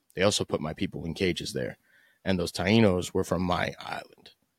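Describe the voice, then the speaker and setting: With an American accent, a man speaks in a very deep, low pitch with vocal fry and ordinary pitch variation, in a dry, close sound with no echo. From US, Dominican family. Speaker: MMA podcast host. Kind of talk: casual solo commentary.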